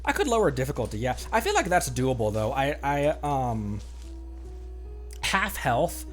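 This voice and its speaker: A man streaming a game, chatting casually in a rambling, halting way that often interrupts itself. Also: medium pitch, very animated. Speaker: game livestreamer. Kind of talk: casual gaming chat. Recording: music playing behind the voice.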